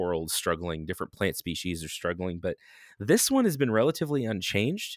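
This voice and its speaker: A man with an unremarkable speaking voice, fairly low in pitch and lively in intonation, in a very clean, dry, close recording with no echo and a silent background. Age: 30s. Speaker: horticulture lecturer. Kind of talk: casual chat.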